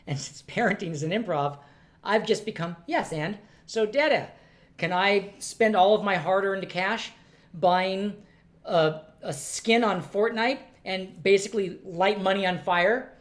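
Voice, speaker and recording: Loud, joking middle-aged father. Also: high-pitched, measured pace. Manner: loud, joking, self-mocking. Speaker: podcast host and father. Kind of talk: casual family podcast banter.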